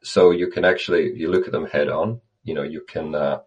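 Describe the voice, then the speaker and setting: A man with a very low, deep voice answers interview questions in an easy conversational way. He speaks thoughtfully, often restarting a phrase before carrying on. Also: fairly even intonation, a little fast, darkish tone, dull audio. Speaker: conservation guest.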